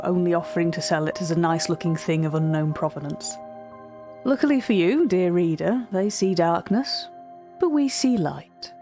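A woman playing a cultured, earnest art curator, narrating a fiction podcast in a formal, precise and measured manner. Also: lowish voice, darkish tone.

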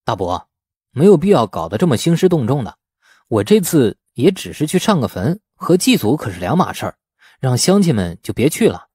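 Man voicing a sensible younger man, mellow-toned. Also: medium pitch, big pitch swings, brisk, slightly rough, no echo, studio quality. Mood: reasoning. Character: calm, sensible younger man, audiobook hero.

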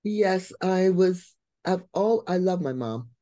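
A middle-aged woman from Barbados, a guest on a video call who tells her life story with warm, expressive emphasis. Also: fairly low pitch, slow pace, dry recording, clean studio sound. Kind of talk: interview storytelling.

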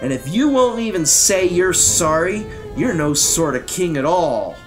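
A woman's voice: fairly low pitch, big pitch swings, measured pace, voice pushed down. A woman voicing an earnest, outspoken boy in a storybook, blunt and firm, with music behind. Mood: firm, defiant. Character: earnest, outspoken young boy scolding a king.

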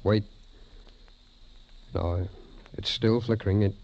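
An actor playing a doctor's haunted, hesitant associate in a 1940s radio drama. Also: male voice, on the low side, fairly even intonation, slow. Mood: tense, halting. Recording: muffled vintage 1940s radio recording.

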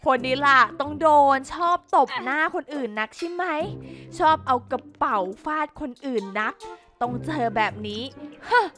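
A woman's voice: high voice, lively intonation, moderate pace, bright, forceful tone. A woman giving playful game commentary, theatrically scolding characters and talking to her viewers. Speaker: gaming YouTuber. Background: background music.

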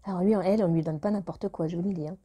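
A woman's voice: on the low side, steady tone, racing, warm tone, breathy edge. A woman vlogger chatting casually to her viewers in a rambling way, now and then talking to her cat. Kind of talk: casual chat to camera.

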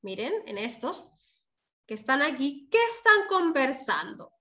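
Speaking Chilean-accented Spanish, a woman primary school teacher holds an online class for young children by video call, patient and warm. Her high, bright voice is forceful and unhurried, with big swings in pitch.

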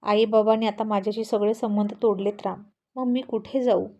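A woman's voice: mid-range voice, fairly even intonation, normal speed, mellow, muffled recording, natural voice. A woman voicing a playful, stubborn young newlywed wife who teases and pleads with her husband in a storybook reading. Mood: tearful. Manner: teasing, pleading.

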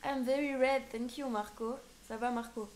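A woman's voice: on the high side, fairly even intonation, moderate pace, darkish tone, a little hiss or hum. Playful French woman in her twenties. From France. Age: 20s. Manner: playful, switches between French and accented English. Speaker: streamer. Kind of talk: casual live stream chat.

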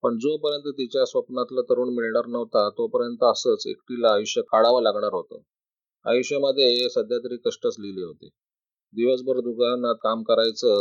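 A man's voice: medium pitch, dry recording. A man narrating a story, reading every part himself and lifting his voice a little for the women's lines. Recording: dry, slightly dull recording.

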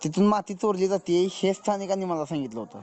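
A man's voice: high voice, lively intonation, fast, darkish tone, dry recording. A man in his twenties with a rural western Maharashtra accent, a local reporter defensively but deferentially explaining himself on a phone call. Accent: rural western Maharashtra Marathi. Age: 20s. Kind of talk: phone conversation.

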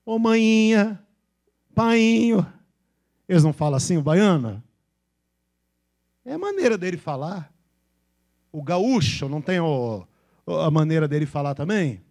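This Brazilian pastor's voice is a little high and slightly mellow, very animated at a moderate pace with frequent pauses. Addressing his church congregation in a São Paulo interior accent, he playfully imitates regional speech patterns.

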